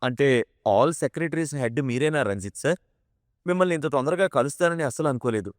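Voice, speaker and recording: A man's voice: mid-range voice, expressive, fairly quick, no room sound, studio quality, lightly acted. A man voicing a righteous, angry young male new employee in an audio drama, indignant and scolding. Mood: feigned nervous.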